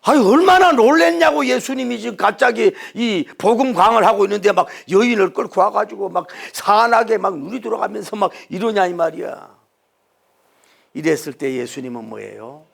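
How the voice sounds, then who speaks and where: Male pastor, sermon, heavily gravelly voice, rhetorical questions, loud to hushed. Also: sits high, normal speed.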